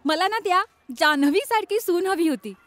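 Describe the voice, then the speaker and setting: A woman's voice: very high-pitched, expressive, normal speed, fairly bright tone, no echo. A woman dubbing a melodramatic middle-aged mother in a family comedy film, scolding and plaintive.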